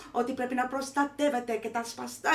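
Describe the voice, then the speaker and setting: At a moderate pace, the speaker talks in a non-native accent. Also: woman. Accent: non-native accent in Greek. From grew up abroad, Cypriot father and Bulgarian mother. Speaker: academic and visual artist. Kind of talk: casual chat. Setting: studio.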